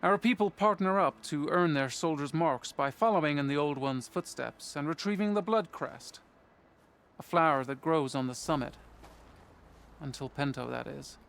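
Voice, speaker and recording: An actor playing a stern but fair tribal soldier commander in a video game, speaking in a measured, matter-of-fact way. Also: male voice, on the high side, creaky, a bit bright. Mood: explanatory. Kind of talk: video game character acting.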